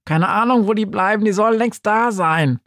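A man's voice: high-pitched, moderate pace, fairly bright tone, dry recording, studio quality, pitched above the performer's own voice. A man voicing an eager, chatty female mould fungus in an audiobook. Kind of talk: audiobook character voice.

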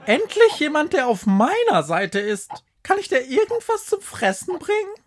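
A woman's voice: high voice, big pitch swings, moderate pace, noisy background. A woman playing a chirpy, mocking family mother in a comedy radio play.

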